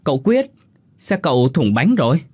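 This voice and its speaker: A man voicing a fussy, scolding older mother who wails and stammers in a high-pitched voice. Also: very animated, a little slow, no room sound. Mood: flustered. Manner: shrill wailing scolding, flustered stammer.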